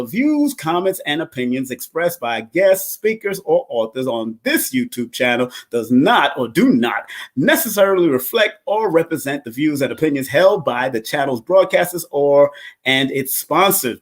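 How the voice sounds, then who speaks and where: A man hosting a live show, doing energetic, repetitive sponsor shout-outs and promotions. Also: medium pitch. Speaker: show host. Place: Florida, away from home base.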